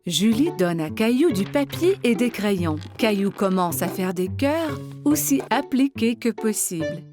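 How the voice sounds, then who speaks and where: A woman's voice: mid-range voice, big pitch swings, unhurried, over music. A woman reading scripted narration for a children's cartoon story.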